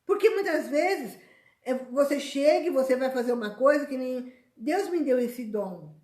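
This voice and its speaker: A woman preaching a sermon in an animated way, acting out the complaints of other people. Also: sits high, moderate pace. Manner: animated, acts out complaining voices. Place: church hall. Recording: echoey church room.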